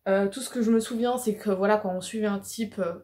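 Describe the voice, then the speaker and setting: A woman's voice: mid-range voice, steady tone, quick pace, dark tone. Woman book vlogger, casual talk to camera, slangy and rambling. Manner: chatty, full of fillers and slang, laughs often.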